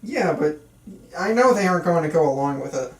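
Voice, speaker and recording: A man reads casual dialogue at an amateur table read with a very varied pitch. He sounds slightly distant in a reverberant room. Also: expressive, fairly quick. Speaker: table read participant playing a young film student. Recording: echoey room, distant mic.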